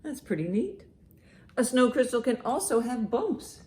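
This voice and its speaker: A woman hosting a children's storytime, reading and explaining in simple, expressive language meant for young listeners. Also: a little high, measured pace. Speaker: children's librarian, storytime host. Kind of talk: children's storytime, reading a picture book aloud and commenting.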